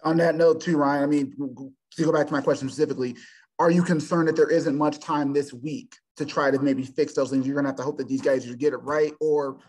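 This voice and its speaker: A man's voice: fairly high pitch, steady tone, fairly quick, a little mellow, husky, poor audio. A male sports reporter asking a coach long, rambling questions at a press conference.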